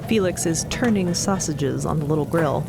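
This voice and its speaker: A woman's voice: low voice, moderate pace, creaky, noisy background. A woman narrating a fiction podcast and voicing dialogue in a wry, conversational manner. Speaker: narrator and character player. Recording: voice under loud music bed.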